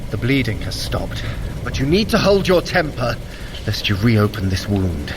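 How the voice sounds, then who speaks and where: An actor playing a wry, cool-headed trickster god in a fantasy audio drama, with measured, formal, teasing speech. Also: male voice, mid-range voice, very animated, background noise, natural voice. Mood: urgent concern. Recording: loud dramatic music behind.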